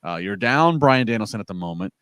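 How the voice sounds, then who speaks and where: A man with a lowish voice hosts a casual wrestling podcast. He rambles through the recap with plenty of fillers and restarts. The sound is dry and close. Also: animated, fast, a bit bright, clear, resonant tone, no room sound. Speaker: podcast host.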